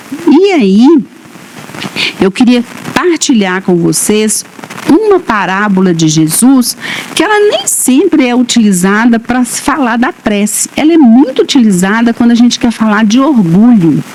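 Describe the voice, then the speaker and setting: A soft-spoken woman with a fairly high pitch talks at a fairly slow pace, her pitch swinging very widely, over noticeable background noise. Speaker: spiritist lecturer. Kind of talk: religious talk to an audience. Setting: in-person public meeting at a spiritist center.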